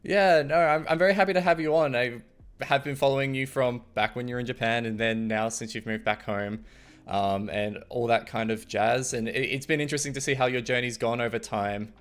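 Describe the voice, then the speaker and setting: A man's voice: mid-range voice, steady tone, brisk, clear, resonant tone. A man hosting an interview show, reading a scripted intro and then asking loose, friendly questions. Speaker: show host.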